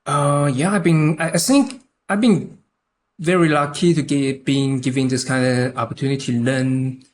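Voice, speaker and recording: A young man from Taiwan, a native Chinese speaker with a Taiwanese accent, chatting haltingly as a podcast guest with many restarts. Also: medium pitch, steady tone. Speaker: podcast guest, concept artist. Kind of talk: casual interview chat.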